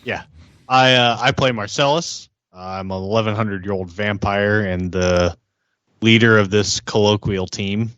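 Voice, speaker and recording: A man chatting casually as a game podcast player, halting and rambling a little. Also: lowish voice, steady tone, a bit bright, clean tone. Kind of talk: casual chat. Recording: roomy, dull lo-fi mic.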